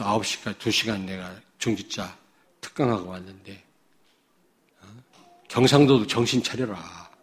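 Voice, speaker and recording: A man from Chungcheong preaching a sermon, swinging between loud declarations and low asides to the congregation, with many rhetorical questions. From Chungcheong, South Korea. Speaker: pastor.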